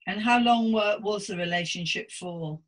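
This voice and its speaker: A woman hosting a podcast as a psychotherapist, interviewing in an effusive, gently encouraging, conversational way. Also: medium pitch, moderate pace.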